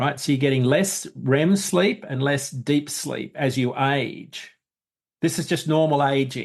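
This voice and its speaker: A man speaks with an Australian accent and vocal fry, his pitch fairly high. The background is quiet. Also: ordinary pitch variation, fairly slow pace. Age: 60s. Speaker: sleep expert and former truck driver. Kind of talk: podcast interview.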